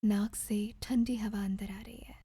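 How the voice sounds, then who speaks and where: A woman guiding a meditation in a soft, breathy voice, giving gentle, soothing and measured instructions with pauses. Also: medium pitch, fairly even intonation, no echo, studio quality. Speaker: meditation guide. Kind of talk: guided meditation narration.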